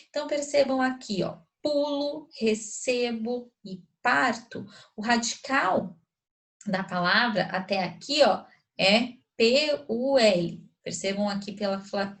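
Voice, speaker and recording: Brazilian woman teaching grammar. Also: on the high side. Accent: Brazilian Portuguese. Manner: explanatory, checks understanding with rhetorical questions. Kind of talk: recorded grammar lesson.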